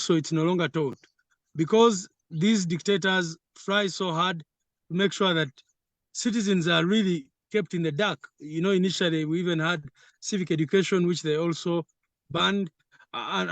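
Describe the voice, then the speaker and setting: Measured man with a raised, dry voice. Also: sits high, dry recording. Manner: measured, repeats words while thinking. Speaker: secretary general answering questions. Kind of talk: formal response in a meeting. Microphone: video call.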